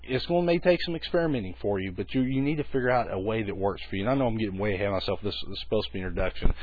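A man's voice: very fast, slightly rough, no echo. A man, giving a folksy, conversational teaching talk on children's ministry. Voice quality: bass voice. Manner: folksy, conversational, many restarts. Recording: tinny phone-like lo-fi recording.

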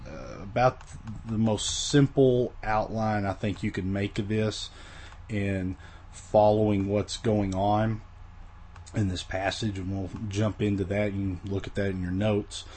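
A man's voice: on the low side, fairly even intonation, a little slow, a little mellow, slight background noise. A man teaching a recorded Bible lesson in a casual, rambling way, with many fillers and restarts, his voice weak after the flu.

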